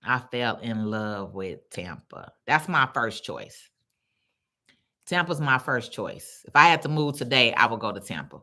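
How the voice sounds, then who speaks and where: With a very deep voice and an unhurried delivery, a Chicago-accented woman from Chicago hosts a casual livestream on her phone. She answers comments in blunt, animated slang and calls her viewers "baby."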